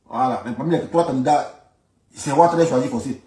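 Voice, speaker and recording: Medium-pitched and mellow, a fast-talking man with an Ivorian accent gives informal political commentary. He's colloquial and repeats phrases for emphasis, and the echoey room leaves him sounding distant from the microphone.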